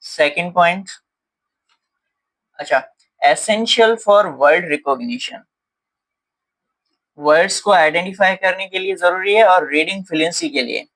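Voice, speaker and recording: A man's voice: high voice, slow pace, long pauses, fairly bright tone, low-quality recording. A man teaching a lesson, explaining step by step in a patient way with frequent fillers. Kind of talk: explaining lesson in Hindi-English mix.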